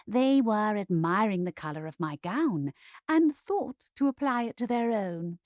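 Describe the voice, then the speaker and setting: A woman's voice: mid-range voice, animated, measured pace, dry recording, studio quality, voice pushed up, natural voice. A woman voicing a dryly witty, poised young lady with mock-formal period-drama drollery in an audiobook. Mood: wry amusement. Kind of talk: Regency romance audiobook character acting.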